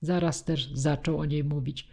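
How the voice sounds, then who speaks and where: A woman narrating a classic novel as an audiobook in a measured, even way. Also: low-pitched, gravelly. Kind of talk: scripted narration.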